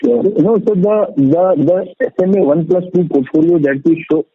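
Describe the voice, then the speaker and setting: A man's voice: sits high, moderate pace, husky, no echo. A man with an Indian accent politely and tentatively asking questions as an analyst on a conference call. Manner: polite, tentative phrasing with tags like "right". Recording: dry, tinny phone line.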